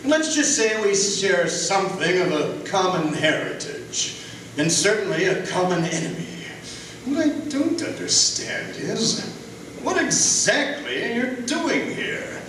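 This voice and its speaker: An actor playing a noble, courteous robot warrior who speaks formally and earnestly in a live dramatic reading. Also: male voice, high voice, big pitch swings, slow, a bit bright, exaggerated voice. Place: live convention stage. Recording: echoey stage, distant mic, noisy.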